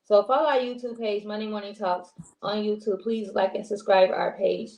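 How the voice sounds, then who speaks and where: A woman co-hosting a casual live-stream talk show, rambling and heartfelt with many pauses. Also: medium pitch, fairly even intonation, a little mellow, dull audio. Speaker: co-host. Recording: echoey room with faint noise.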